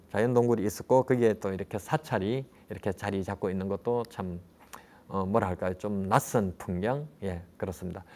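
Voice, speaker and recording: A man's voice: fairly low pitch, mellow. A middle-aged man talking casually as a travel guide about local history, rambling with fillers and restarts and asking rhetorical questions. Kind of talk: conversational travel talk on history.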